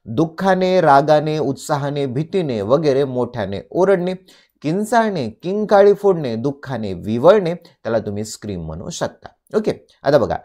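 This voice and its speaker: A man with a Marathi accent teaches vocabulary in a mellow, warm tone. His pitch rises and falls widely as he reads each English definition slowly. He then explains it and keeps asking the listener questions. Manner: asks the listener rhetorical questions. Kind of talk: bilingual vocabulary lesson.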